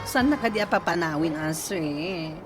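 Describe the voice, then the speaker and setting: An actor playing a flamboyant gay man who loudly demands repayment of a debt, speaking in a radio drama. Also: medium pitch, animated, normal speed, over music, natural voice. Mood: angry. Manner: loud, indignant, shouting threats.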